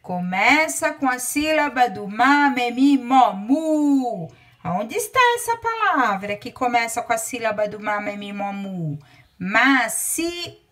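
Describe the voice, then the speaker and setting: Counting out loud and slowly elongating every word, a Brazilian Portuguese-accented teacher from Brazil dictates to young children. Her fairly high-pitched voice is very animated, with a fairly bright tone.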